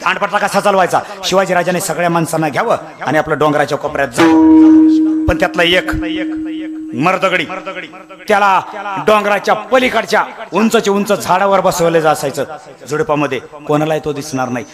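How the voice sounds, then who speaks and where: A man preaching a devotional storytelling sermon, dramatic, swinging between shouts and hushed lines. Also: a little high, a little fast. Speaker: kirtan preacher. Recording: live crowd in the background.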